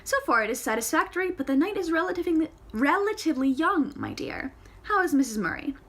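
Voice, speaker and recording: A woman doing a brisk, pompous circus impresario. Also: high voice, sing-song, fairly bright tone, voice pushed up. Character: fussy pompous older male circus impresario.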